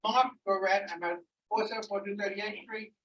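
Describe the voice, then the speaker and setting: An audience member putting questions at a public meeting in a rushed, run-on way. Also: medium pitch, steady tone, a bit bright. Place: indoor community meeting room. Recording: echoey, muffled, noisy room, far from mic.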